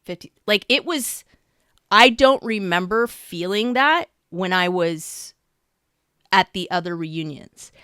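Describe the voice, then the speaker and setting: A woman in her fifties co-hosting a podcast, talking casually in an animated, slangy way with frequent laughter. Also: mid-range voice, slow pace, smooth, no echo, clean studio sound. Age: 50s. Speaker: podcast co-host. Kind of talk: casual chat.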